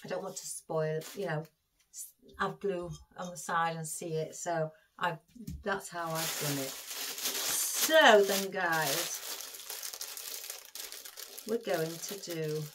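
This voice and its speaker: A woman's voice: fairly low pitch, slow pace, pauses often, background noise. A woman with a chatty manner, giving a craft tutorial and calling her viewers guys as she talks them through each step. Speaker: florist demonstrating an arrangement.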